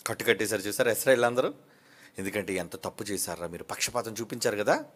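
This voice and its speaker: A male pastor preaching a sermon, rising from quiet asides to loud peaks, firing off rhetorical questions and mimicking gossips. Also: fairly low pitch, fast.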